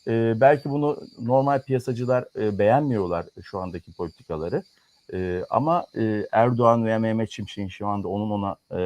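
A man's voice: on the low side, darkish tone, dry recording. Man, casual political chat, firm and argumentative, dry sound. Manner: argumentative, lectures in firm repeated clauses. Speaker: economics commentator.

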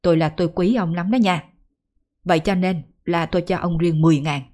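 A woman's voice: on the low side, fairly even intonation, fairly quick, darkish tone, natural voice. A woman voicing a scheming young rich man who lends money to trap a gambler, in a folk ghost story. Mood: sly. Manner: sly, falsely friendly. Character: smug young rich master, scheming lender.

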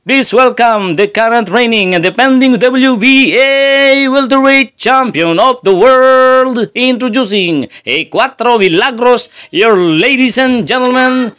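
A man's voice: very high-pitched, unhurried, few pauses, a bit bright, smooth. A man announcing like a boxing ring announcer, formal and theatrical, stretching out names as he introduces fighters.

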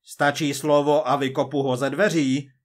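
A man voicing a loud, jovial, blustering male film director. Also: medium pitch, level tone, lightly acted. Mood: brash.

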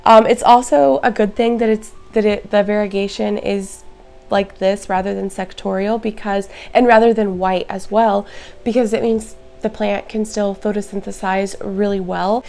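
A chatty woman with a hoarse, raspy voice and plenty of gravelly fry running through it. She talks through a casual home vlog, upbeat and speaking straight to her viewers at a middling pitch. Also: steady tone, normal speed, darkish tone. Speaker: plant vlogger. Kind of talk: casual show-and-tell vlog.

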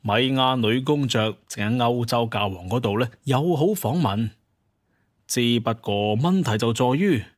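Male, Cantonese accent, scripted story narration, audiobook narrator, medium pitch. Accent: Hong Kong or Guangdong Cantonese.

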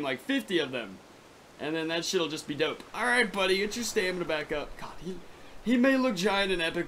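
A young man from California with a raspy, sore throat, giving excitable, foul-mouthed gameplay commentary. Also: a little high, slight background noise. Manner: excitable, swears freely. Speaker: gaming YouTuber.

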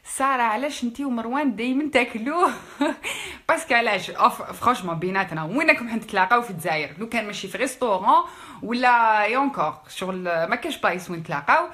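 A young Algerian woman, an actress, chatting fast and casually with fans in a live stream, switching languages. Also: a little high, expressive, pushed and bright. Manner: quick, chatty, mixing French with Algerian Arabic. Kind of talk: casual live-stream chat reading out comments.

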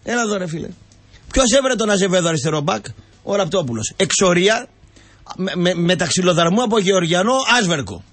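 A man's voice: high-pitched, animated, a bit bright, breathy edge. A man who is a football pundit, ranting and mocking in a heated comic sports talk show. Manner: ranting, mocking, keeps cutting in.

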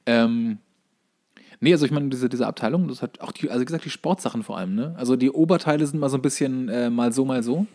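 A man's voice: mid-range voice, fast, mellow. A man co-hosting a podcast, chatting casually and jokingly in a colloquial, wry way. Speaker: podcast co-host. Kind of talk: casual comedic banter.

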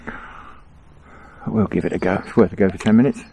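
A man's voice: fairly low pitch, moderate pace, gravelly. A middle-aged man giving a casual running commentary while fishing outdoors on a riverbank, chatty and chuckling often. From England. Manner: chatty, chuckles often, relaxed self-talk. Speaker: angling vlogger. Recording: outdoor ambience with faint noise.

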